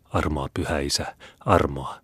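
A man's voice: very deep voice, fairly even intonation, fairly bright tone, husky, no echo, full character voice. A man voicing a frightened, humbled male prisoner who speaks in a trembling, pleading, subdued way in a storybook reading.

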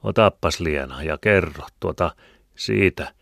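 A man's voice: sits low, gravelly, a bit bright, no room sound, studio quality. A man voicing an old country farmhand who speaks in a plain, matter-of-fact way.

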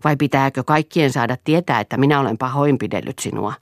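A woman's voice: extremely low pitch, no room sound, studio quality. A woman reading a sneering bitter husband. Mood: scornful. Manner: sneering, provoking. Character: bitter, scornful middle-aged husband.

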